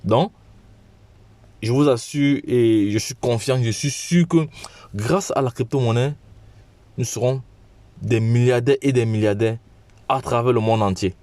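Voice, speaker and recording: A man with a cold giving an informal promotional pitch as a channel host, halting and often repeating his phrases. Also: a little mellow, no echo. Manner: halting, repetitive, with frequent restarts. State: has a cold.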